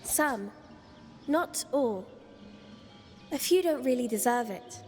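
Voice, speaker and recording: A solemn, timeless mystic for a video game. Her high voice moves slowly and cryptically. A long reverb trails it, with faint music underneath. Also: animated, a little mellow. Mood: solemn, cryptic. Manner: measured, cryptic. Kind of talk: video game character acting.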